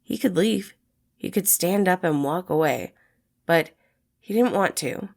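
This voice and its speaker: A woman narrates a piece of written fiction. Her voice sits a little low, and she delivers the prose as a scripted storybook reading. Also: measured pace, gravelly, darkish tone. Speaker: podfic narrator.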